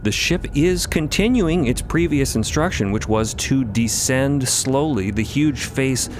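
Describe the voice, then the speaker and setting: A man's voice: mid-range voice, expressive, a little slow, a little hiss or hum. A man narrating a fiction podcast in a theatrical, emphatic storytelling style with casual asides. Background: music under the narration.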